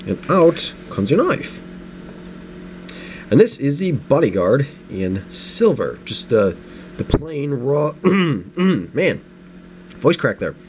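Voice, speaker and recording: A man's voice: mid-range voice, very animated, takes it slowly, long pauses, darkish tone. A young man getting over the flu, rambling casually through an unscripted knife review at his home desk, with restarts and self-deprecating asides. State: low energy, getting over the flu, sniffly. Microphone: camera mic, hands-only framing. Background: space heater hum.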